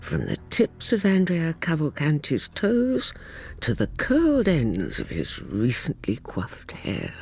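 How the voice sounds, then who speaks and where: A man's voice: a little high, huge pitch swings, slow pace, a little mellow, husky. A man narrating a radio drama in a flamboyant, arch storytelling manner. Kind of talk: theatrical scripted narration.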